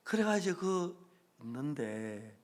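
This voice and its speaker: A middle-aged man, preaching a sermon as a pastor and telling stories with acted-out dialogue and sudden loud bursts. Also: fairly high pitch, sing-song, takes it slowly.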